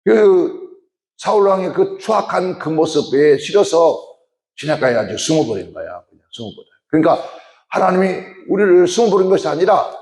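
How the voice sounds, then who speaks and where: A man's voice: on the high side, a little mellow. A man preaching a Sunday sermon as pastor. He talks emphatically, repeating phrases and asking rhetorical questions. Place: church sanctuary. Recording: roomy church echo.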